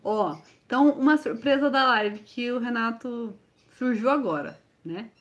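A woman's voice: a little high, unhurried. A woman with a Brazilian accent hosting a casual livestream as a bird breeder, answering viewer questions one after another. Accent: Brazilian Portuguese. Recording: slightly dull livestream audio, faint noise.

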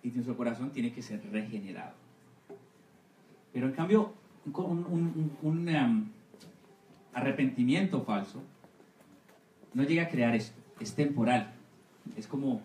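A missionary pastor giving a Sunday school sermon, often asking the congregation for agreement with amen and right. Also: male voice, mid-range voice, measured pace, creaky, pauses often, mellow, distant mic, slight background noise. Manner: asks the congregation for assent, repeating amen and right. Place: church hall. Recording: echoey room, voice from off-mic.

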